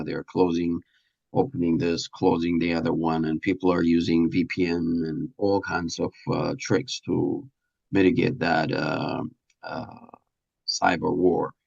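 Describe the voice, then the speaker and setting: A man being interviewed as a radio presenter, explaining things haltingly as he searches for words, on a dull lo-fi recording. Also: sits low, little pitch movement, vocal fry. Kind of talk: interview answers, explanatory talk.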